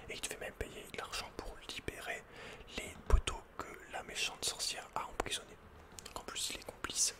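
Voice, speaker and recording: A man whispering unhurriedly as he thinks aloud, hosting an ASMR video game playthrough. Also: normal speed. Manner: whispering throughout. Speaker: ASMR gamer host.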